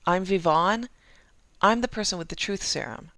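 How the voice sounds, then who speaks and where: A woman's voice: fairly low pitch, normal speed, a bit bright, no echo. A woman playing an earnest, naive, quirky young woman in an audio drama. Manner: earnest, declarative.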